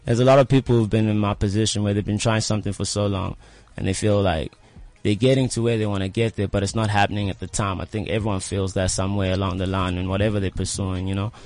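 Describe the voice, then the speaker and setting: South African man, fairly low voice, slangy. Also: steady tone, fast, few pauses, darkish tone. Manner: slangy, peppered with "like" and "you know". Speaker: rapper being interviewed. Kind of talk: casual chat.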